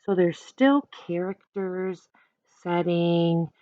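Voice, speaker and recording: A woman teacher reading a picture book aloud, pausing to explain things simply and directly to young listeners. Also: on the low side, dark tone, dry recording, dull audio.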